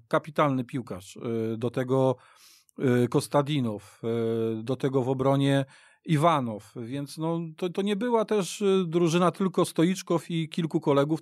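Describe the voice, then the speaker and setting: A man's voice: on the high side, dry recording, studio quality. Middle-aged man rambling about football. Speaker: football podcast guest. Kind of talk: casual football discussion, reminiscing. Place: radio studio.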